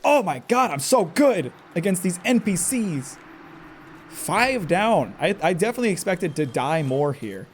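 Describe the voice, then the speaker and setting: A man with a high, very animated voice speaks at a measured pace, with a little hiss or hum present. As a streamer playing live, he grows stressed, talks to himself, and cusses at enemies in sudden outbursts.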